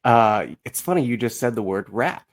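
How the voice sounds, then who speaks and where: A man speaking as a podcast guest in casual chat, haltingly and searching for his words. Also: mid-range voice, expressive. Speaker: podcast guest, musical creator.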